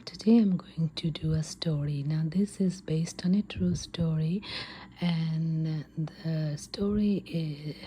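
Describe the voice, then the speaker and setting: A woman telling an ASMR story in a soft, breathy whisper, hesitant and unscripted, with pauses. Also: sits low, slight background noise.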